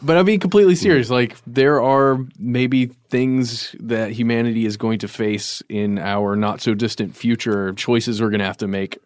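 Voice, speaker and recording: A man in a casual podcast discussion, musing out loud in an earnest, slightly hesitant way. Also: medium pitch, steady tone, normal speed, few pauses, smooth, no room sound, studio quality. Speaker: podcast co-host.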